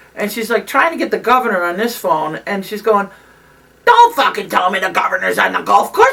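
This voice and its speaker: A woman speaking fairly quickly in an animated tone, with noticeable background noise. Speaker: former peace camp organizer. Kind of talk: oral history interview.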